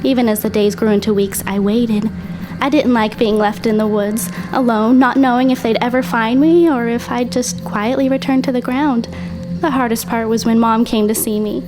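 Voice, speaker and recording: A woman's voice: on the high side, steady tone, moderate pace, lightly acted, low-quality recording. Wry dead girl narrating, music underneath, acted by a woman. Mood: wistful, resigned. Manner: wry, conversational, confiding. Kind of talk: audio drama narration.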